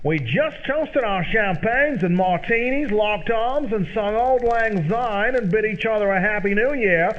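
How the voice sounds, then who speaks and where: A man's voice: high voice, animated, unhurried, few pauses. A man playing a flowery, over-polite, fussy neighbor who loves to borrow, in old-time radio comedy style. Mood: flowery, insistent. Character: effusive, genteel male downstairs neighbor and habitual borrower. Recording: muffled, faintly noisy old-radio sound.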